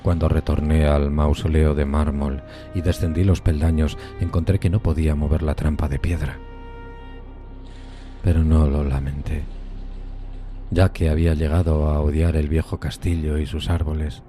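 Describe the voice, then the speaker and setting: A man playing a solitary, anguished undead outcast, narrating a gothic horror audio drama in a solemn, theatrical, deliberate way. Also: very deep voice, level tone, music in the background. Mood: somber, resigned.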